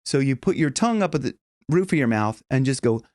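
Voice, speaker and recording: A middle-aged vocal coach and professional singer gives a step-by-step voice lesson in a brisk, expressive, slightly mellow mid-range voice. He demonstrates using hums and sung tones, and the dry recording has studio quality.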